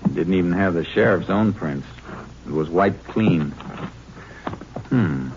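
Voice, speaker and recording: An actor playing a steady, shrewd Texas Ranger investigator in a matter-of-fact, authoritative 1950s radio western style. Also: male voice, deep voice, a little slow. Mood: analytical. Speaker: lead actor and narrator. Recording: noisy, clicking, muffled 1950s radio recording.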